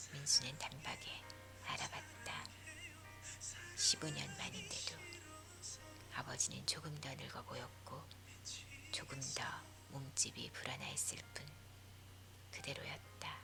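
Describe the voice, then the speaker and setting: A woman leaning in to whisper a story for sleep in a hushed, breathy ASMR narration. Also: rumbling low, unhurried, pauses often. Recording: music behind the voice. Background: music.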